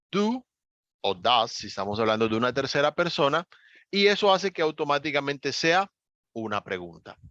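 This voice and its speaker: A man's voice: mid-range voice, a bit bright, dry recording. A man teaching English grammar in an online class, explaining patiently step by step and lifting his voice on key words. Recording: dull, slightly lo-fi dry recording.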